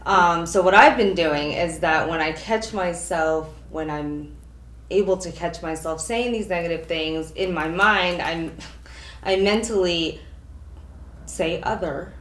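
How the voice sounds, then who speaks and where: A woman's voice: lowish voice, a little slow, a bit bright, reverberant. A young woman in couples counseling, reflective and a little hesitant as she shares. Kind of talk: casual talk in a session.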